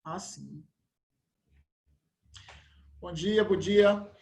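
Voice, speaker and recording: A man's voice: sits high, drawn-out words, gravelly, a little mellow. A man teaching a school class over a video call, greeting students one by one and joking around. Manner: playful, jokey, greets everyone by name. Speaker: biology teacher. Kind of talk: casual online class chat.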